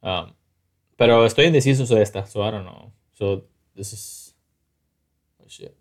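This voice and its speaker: Low-voiced Chicano man, halting and slangy. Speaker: photographer. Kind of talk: casual chat, switching between Spanish and English.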